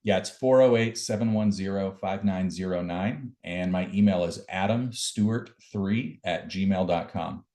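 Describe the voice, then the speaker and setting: Low-voiced man in an echoey room. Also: measured pace, few pauses, mellow. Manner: hesitant, many fillers. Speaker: product cofounder giving a demo. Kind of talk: casual webinar demo.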